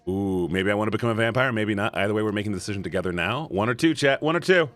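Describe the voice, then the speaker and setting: A man streaming a story game, reading the text aloud and chatting playfully with his viewers in an animated way. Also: on the low side, rapid-fire. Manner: animated, playful, shouting at times. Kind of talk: reading a visual novel aloud to chat.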